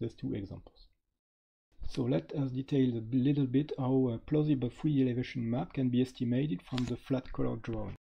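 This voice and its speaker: A man speaks at a fairly quick pace with a strong French accent, his medium-pitched voice somewhat breathy and showing ordinary pitch variation. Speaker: computer science researcher. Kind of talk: technical conference talk.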